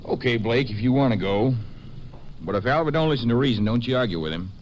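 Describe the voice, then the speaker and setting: An actor playing a folksy, reassuring rancher with an American Western drawl in a 1950s radio western. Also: male voice, medium pitch, lively intonation, quick pace, dull audio, close to an everyday voice. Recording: noisy old 1950s radio recording.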